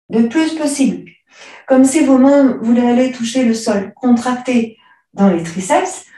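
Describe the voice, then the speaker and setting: Yoga teacher, woman, calm step-by-step cues; distant mic in a roomy hall. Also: fairly high pitch. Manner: calm, cueing breath and movement step by step. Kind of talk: guided yoga class instruction. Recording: echoey room, voice from afar.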